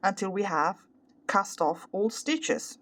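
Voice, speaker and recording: A woman with an Italian accent, a native Italian speaker, explaining a craft tutorial carefully, step by step and with pauses. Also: mid-range voice, expressive, a bit bright. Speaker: crochet tutorial host. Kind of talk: instructional craft tutorial, unscripted.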